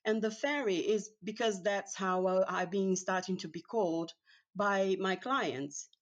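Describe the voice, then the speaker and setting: A woman with a Brazilian accent, Portuguese by birth, answers interview questions in English at a middling pitch. She often pauses, restarts her sentences and laughs easily. The recording sounds dull and lo-fi. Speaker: guest, house cleaner. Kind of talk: casual interview chat.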